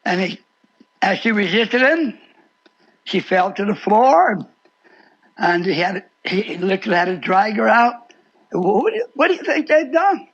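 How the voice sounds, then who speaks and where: A man's voice: high voice, sing-song, measured pace, pauses often. A man preaching a radio sermon in a fiery, sing-song way with sudden swoops and repeated phrases. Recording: muffled shortwave radio broadcast.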